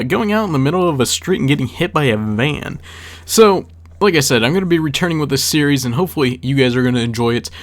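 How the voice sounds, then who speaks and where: Man telling stories in casual gaming commentary. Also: mid-range voice. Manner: conversational, repeats words for emphasis. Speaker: gaming video creator. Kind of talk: casual storytelling commentary to viewers. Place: voice-over for a gameplay video.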